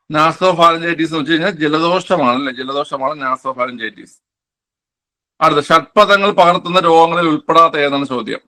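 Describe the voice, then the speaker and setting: A man's voice: fairly high pitch, bright, forceful tone. A man teaching an exam-prep quiz class online, repeating each answer and asking himself questions before answering them.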